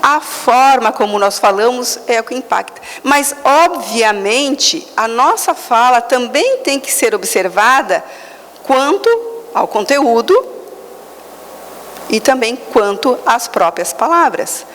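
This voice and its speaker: A woman speaks at a Spiritist gathering, her fairly high voice rising and falling with lively swings as she acts out little scenes. The talk rings out with a long reverb, as in a large hall. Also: slow. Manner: animated storytelling with lively quoted asides.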